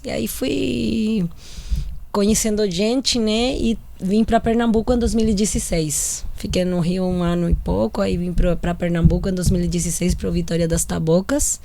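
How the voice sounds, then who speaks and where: A woman's voice: mid-range voice, vocal fry, mellow. A woman from Chile, a native Spanish speaker with a Chilean accent, telling her career story as a guest on a podcast, chatty with some restarts. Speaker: football coach, guest. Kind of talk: casual podcast interview.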